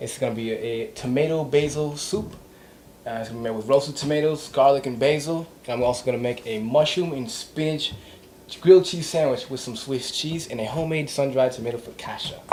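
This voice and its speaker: An American accent with ordinary pitch variation and big swings in loudness, over noticeable background noise. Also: man, fairly high pitch for a man. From US Midwest, Minnesota. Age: 20s. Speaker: home cook. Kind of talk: cooking tutorial. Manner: casual, conversational.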